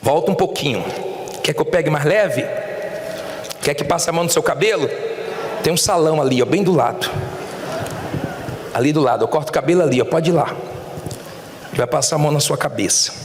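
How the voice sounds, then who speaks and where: A Brazilian man preaching in a big church, his fairly high voice rising into shouts and dropping to soft asides as he questions the crowd. The hall rings with a long, echoing reverb around him. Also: brisk, pauses often, noisy background. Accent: Brazilian Portuguese. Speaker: bishop preaching. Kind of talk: sermon.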